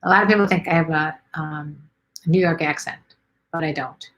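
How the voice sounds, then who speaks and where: A woman's voice: low-pitched, fairly even intonation, moderate pace, a bit bright, muffled recording. A middle-aged woman from Chicago hosts a live stream, chatting casually and rambling with lots of ums as she reads viewer comments. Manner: chatty, rambling, many ums and let's sees.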